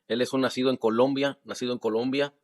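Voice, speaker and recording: A man's voice: mid-range voice, fairly even intonation, quick pace. A man speaks in a mid-range voice, repeating his point again and again. He argues with a clip he is playing and keeps asking pointed rhetorical questions. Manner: insistent, repetitive rhetorical questions. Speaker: online religious commentator. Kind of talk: refutation commentary on a played video.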